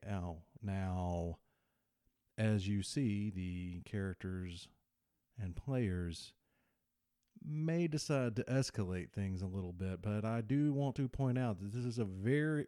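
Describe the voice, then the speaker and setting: A man walks through his game master choices in a calm, explanatory voice-over. His voice sits low and mellow, recorded close and dry with no room behind it. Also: dry recording. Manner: explanatory, measured. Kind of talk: voice-over commentary on a tabletop game.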